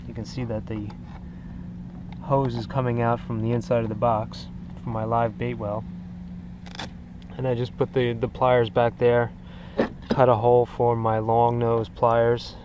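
Man, mid-pitched, easygoing show-and-tell with fillers, recorded outdoors on an action camera with clear background noise. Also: unhurried, long pauses. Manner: relaxed, rambling, frequent "uh" fillers. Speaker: kayak angler showing his gear. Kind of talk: casual show-and-tell narration. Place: outdoors on shallow water beside a kayak. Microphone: action camera mounted on the kayak. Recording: noisy outdoor camera audio with wind and water.

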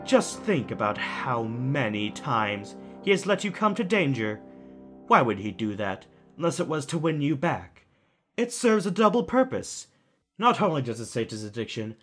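A man playing a calculating, smugly theatrical kidnapper in an audio drama, mocking with drawn-out, deliberate phrasing. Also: mid-range voice.

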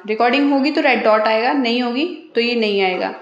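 A woman's voice: on the high side, fairly quick, lo-fi sound, slight background noise. A woman hosting a step-by-step phone tutorial, talking in an instructional way as she demonstrates. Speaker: host of phone tutorial videos. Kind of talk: step-by-step tech tutorial narration. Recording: roomy, echoey voice recording.

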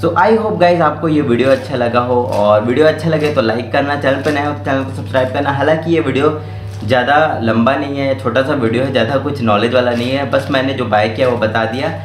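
Speaking fairly quickly in a mid-range voice, this twenty-something art channel host from Raipur, Chhattisgarh, chats casually about supplies he bought. The small indoor room, crowded with art materials, sounds reverberant, with a little hiss or hum. His Hindi is loose and informal, sprinkled with English words.

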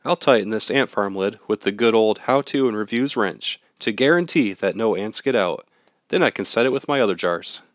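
A man in his thirties hosting a how-to channel, narrating step-by-step instructions in a steady, plain way while slightly sick. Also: lowish voice, normal speed, dry recording, clean studio sound. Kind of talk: scripted how-to voice-over.

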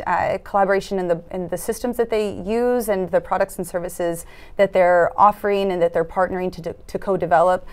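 Earnest woman with a low-pitched voice, hesitating. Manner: earnest, hesitant with frequent fillers and restarts. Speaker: foundation program officer, interviewee. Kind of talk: conversational interview answers. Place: dark studio set at a conference.

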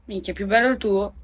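A woman's voice: medium pitch, a little hiss or hum. A young woman, chatting casually with viewers on a phone livestream from home, swearing and laughing often. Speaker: livestream host. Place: at home indoors.

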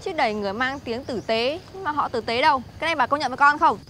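A young shop owner who talks fast and sharp, in a TV drama. Her voice is high and bright, with a faint hiss in the background. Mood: coaxing. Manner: quick, lively, sharp-tongued. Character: chatty young woman opening a shop. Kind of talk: TV drama acting.

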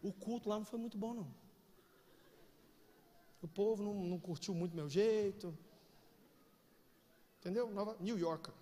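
A Brazilian man preaching a sermon, telling stories with animated swings between shouts and hushed asides. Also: sits high, normal speed, pauses often. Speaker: pastor. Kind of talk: sermon with storytelling. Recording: echoey hall with faint noise.

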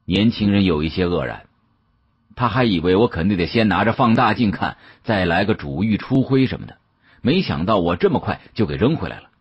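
Male audiobook narrator, strongly husky, dull recording, dramatic first-person delivery. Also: sits low, lively intonation, fairly quick.

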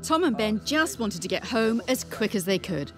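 A New Zealand woman reporter narrates a news piece with a bright, fairly high voice. She lands her points with wry emphasis. Soft music runs under her voice. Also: big pitch swings, moderate pace. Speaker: consumer affairs reporter.

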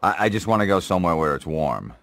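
A man's voice: low voice, very animated, fast, fairly bright tone, dry recording, studio quality. A man making a brash, crude prank call to an office. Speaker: prank caller. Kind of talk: cocky prank phone call.

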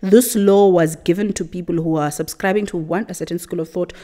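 A woman's voice: lowish voice, steady tone, a little fast, dark tone. Earnest woman making her case. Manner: earnest, persuasive, emphatic. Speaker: guest. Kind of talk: casual panel discussion. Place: small podcast studio. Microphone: studio mic.

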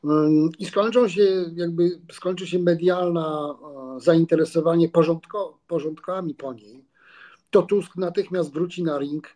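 A man's voice: fairly high pitch, fairly even intonation, unhurried, warm tone. A man giving political analysis on a video call, sure of his view but often restarting his sentences. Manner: confident but stumbling, many restarts. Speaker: commentator. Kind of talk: political panel discussion. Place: room with a patterned wall mural.

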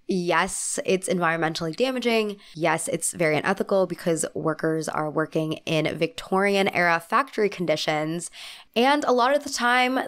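A young woman in her twenties with a congested, slightly nasal voice from a cold, talking into a handheld mic in a small room in a wry, opinionated scripted video essay with emphatic asides. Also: lowish voice. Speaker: fashion commentary host. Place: small indoor room with lamp and plant. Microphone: handheld mic held close.

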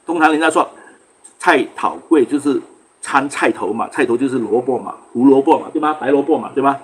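A man's voice: mid-range voice, brisk, a little hiss or hum. A man with a Singaporean accent, hosting a livestream and telling a story in casual chat. He acts out quarrels in raised voices and mixes in English words. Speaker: livestream host.

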